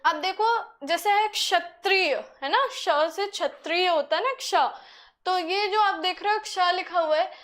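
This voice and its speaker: Young female teacher, very high-pitched, conversational lesson delivery with rhetorical questions. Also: a little slow, a bit bright. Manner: rhetorical questions to students, chatty. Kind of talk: whiteboard grammar lesson.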